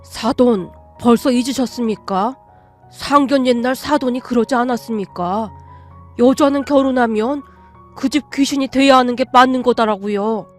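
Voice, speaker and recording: A woman's voice: fairly high pitch, moderate pace, soft background music, lightly acted. A woman voicing an angry, protective older father-in-law who scolds in a raised voice. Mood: stern, indignant.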